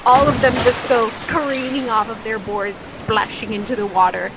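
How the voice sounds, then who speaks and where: High-voiced woman running a tabletop game. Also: fairly even intonation, moderate pace, noisy background. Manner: casual, descriptive storytelling. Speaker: game master. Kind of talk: narrating a tabletop roleplaying game. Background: music.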